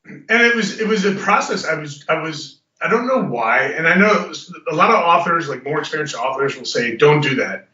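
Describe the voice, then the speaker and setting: A man's voice: on the high side, animated, moderate pace, pushed and bright. A man being interviewed as a guest author, chatting with stumbling restarts. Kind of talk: casual interview. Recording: roomy, distant, lo-fi audio.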